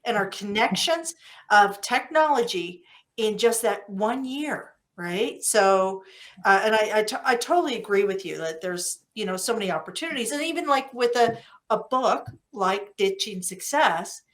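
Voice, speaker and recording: A woman's voice: medium pitch, expressive, normal speed, fairly bright tone. Enthusiastic American woman podcast host. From United States. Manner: enthusiastic, chatty. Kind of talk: podcast interview.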